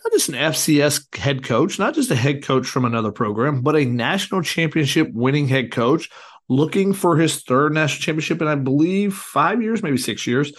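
A man co-hosting a casual sports podcast, hoarse as his voice comes back, talking in a rambling way with many fillers. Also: on the high side, very animated, moderate pace. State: hoarse, recovering lost voice. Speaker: podcast co-host.

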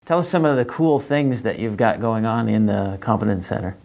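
A man's voice: fairly low pitch, a little fast, gravelly, a little mellow. A man acting as interviewer, putting questions and comments to guests in a conversational style.

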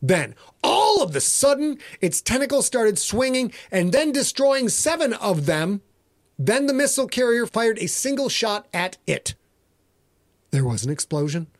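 A middle-aged American man narrates his own story in a high-pitched voice, giving it a theatrical, mock-serious dramatic reading. The recording is dry, and he is both the author and the narrator.

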